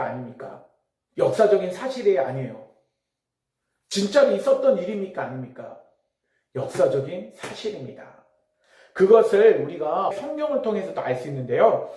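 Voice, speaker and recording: A middle-aged male pastor preaching a sermon, who tells a personal story with animated delivery that swings from hushed asides to sudden shouts. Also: high-pitched. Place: church sanctuary. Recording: echoey church hall.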